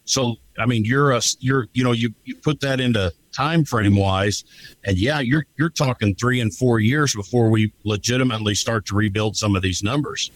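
As a guest, a man who owns cattle and works as a livestock marketing rep talks through the market in a folksy, plain-spoken, conversational style. His voice is medium-pitched at a normal speed, and the recording quality is low.

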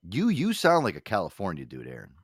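A man's voice: lowish voice, huge pitch swings, fast, no room sound, studio quality. A man hosting a casual talk show with a mixed New York and Mid-Atlantic accent, joking, swearing and laughing. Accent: Mid-Atlantic and New York mix. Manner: profane, laughing, jokey. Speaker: host. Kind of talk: casual chat.

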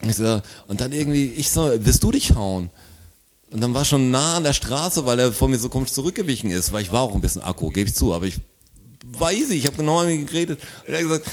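Man, casual podcast chat, lively storyteller, mid-pitched. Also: fast. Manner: animated storyteller, acts out quarrels.

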